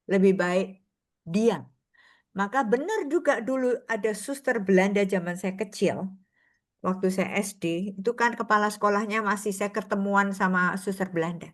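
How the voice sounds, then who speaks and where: A woman's voice: medium pitch, normal speed. An older woman giving an informal sermon to a prayer group, chatty and anecdotal, often laughing between stories.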